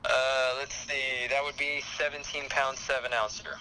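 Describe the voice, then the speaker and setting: A man heard through a speakerphone, talking casually as a guest fishing expert with dry, deadpan humor. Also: medium pitch, moderate pace, a little hiss or hum, rough recording. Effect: speakerphone call. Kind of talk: casual phone conversation.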